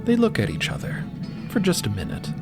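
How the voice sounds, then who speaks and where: Animated man narrating. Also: sits high, fairly quick. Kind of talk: scripted audio drama narration. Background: loud background music.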